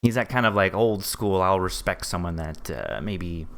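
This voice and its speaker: A man's voice: sits low, normal speed, a bit bright. A man hosting a casual interview, agreeable and conversational as he builds on the other speaker's points. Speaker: podcast interviewer.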